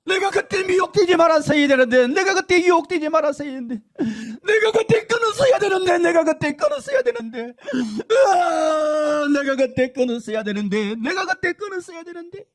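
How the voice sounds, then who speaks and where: A man's voice: very high voice, expressive, moderate pace, few pauses, voice pushed up. A man voicing a damned woman in hell who wails, sobs and begs for mercy. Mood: wailing regret. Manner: wailing, sobbing, pleading.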